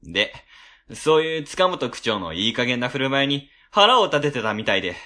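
A man playing a flustered, excitable ward office worker in a radio drama. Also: medium pitch, normal speed. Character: flustered, excitable male civil servant. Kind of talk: amateur web radio drama acting.

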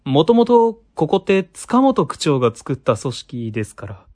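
A man's voice: on the high side, big pitch swings, normal speed, a little mellow. A man playing a thoughtful office worker in a radio drama, speaking in a reflective way. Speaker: ward office staffer. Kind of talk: amateur web radio drama acting.

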